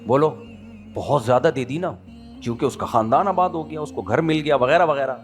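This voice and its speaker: A man's voice: mid-range voice, soft background music. A middle-aged man from Pakistan giving a conversational sermon, throwing rhetorical questions at his listeners and acting out small everyday dialogues. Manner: animated, asks the audience rhetorical questions and acts out little dialogues. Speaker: Islamic preacher.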